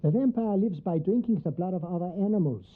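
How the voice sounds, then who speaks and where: A woman playing a grave, commanding professor who hunts vampires, speaking formally and deliberately in a radio drama. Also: on the low side, lively intonation. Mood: grave, explanatory. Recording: tinny, narrow band like phone line.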